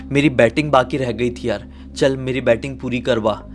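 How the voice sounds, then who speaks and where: A man's voice: mid-range voice, steady tone, moderate pace, soft background music, lightly acted. A man voicing a carefree schoolboy who coaxes his friends along. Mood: coaxing. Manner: coaxing, casual. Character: carefree schoolboy, coaxing and playful.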